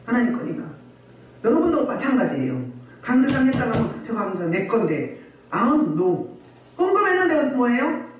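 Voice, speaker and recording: A woman's voice: on the high side, sing-song, moderate pace, background noise. Woman preaching in an echoey church hall. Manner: scolding, asks the congregation rhetorical questions. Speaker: pastor. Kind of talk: sermon at a healing service. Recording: very echoey hall, voice far from mic.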